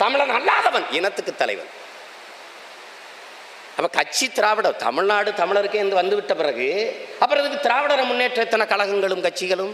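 In a room with audible echo, a man talks in a high pitch with lively intonation. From Tamil Nadu, India. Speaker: politician. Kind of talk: political speech. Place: stage. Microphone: podium.

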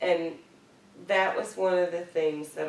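In a room with audible echo, a woman talks at a fairly slow pace with ordinary pitch variation. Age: 60s. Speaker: author. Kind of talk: talk to audience. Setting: stage with audience. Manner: interactive. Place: meeting room.

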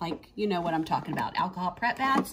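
This woman speaks with lively intonation. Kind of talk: tutorial. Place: office. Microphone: phone near.

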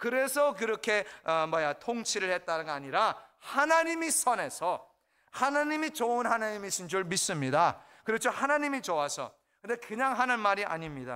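Speaking at a moderate pace against a quiet background, a man uses a raised, projected voice with a high pitch, very wide pitch swings and a bright, sharp tone. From born in Korea, raised in the US. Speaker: pastor. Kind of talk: sermon. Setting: church. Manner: animated. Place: church. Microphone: podium.

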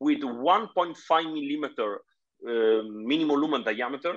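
With lively intonation, a man speaks fairly slowly over a quiet background. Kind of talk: lecture case presentation. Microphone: video call.

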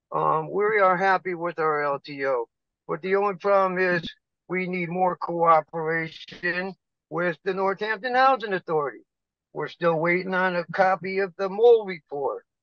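A man's high-pitched voice at a moderate pace, with a dry, close sound and no echo. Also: ordinary pitch variation.

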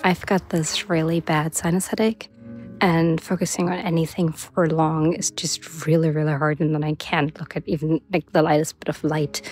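Very deep, low female voice with fairly even intonation at a moderate pace, dry sound with no echo, faint music in the background. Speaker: homesteading vlogger. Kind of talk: casual vlog chat. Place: forest. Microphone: phone near.

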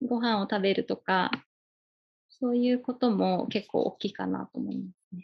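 A woman talks at a moderate pace. Her background is quiet. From Gifu city, Japan. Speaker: clothing shop owner; interviewee. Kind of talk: casual interview. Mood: warm, thoughtful. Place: home room. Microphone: video call.

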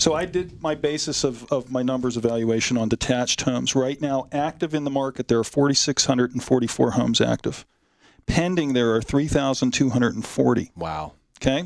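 A man speaks at a moderate pace against a quiet background. The sound is dry, with no echo. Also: ordinary pitch variation. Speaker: radio guest. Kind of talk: radio talk show discussion. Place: studio. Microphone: headset.

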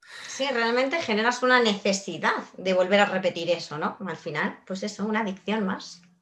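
A normal speaking voice with ordinary pitch variation moves at a moderate pace with hardly any pauses. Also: woman, medium pitch for a woman. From Spain (Madrid), born in Argentina. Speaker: nutritionist and teacher. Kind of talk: interview.

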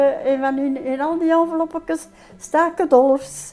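Female voice with fairly even intonation. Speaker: interviewee. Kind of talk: interview answer. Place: home room.

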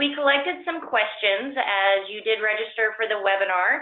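Using a normal speaking voice, a woman with fairly high pitch talks at a moderate pace with lively intonation. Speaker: webinar moderator. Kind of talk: webinar moderation. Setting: online webinar. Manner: formal.

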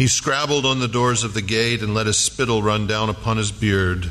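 Fairly slow pace from a man. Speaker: pastor preaching. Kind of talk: sermon, reading scripture aloud. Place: church.

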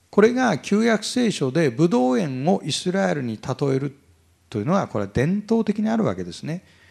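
A man's somewhat breathy voice, fairly high in pitch, with very wide pitch swings against a quiet background. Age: 60s. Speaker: pastor. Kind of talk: sermon.

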